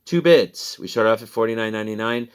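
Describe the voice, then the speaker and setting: A man's voice: on the low side, fast, smooth. A man with a Midwestern American accent, chatting casually in a rambling way about items he resold. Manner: rambling, chatty, laughs at himself. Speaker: online reseller. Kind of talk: casual sales recap chat.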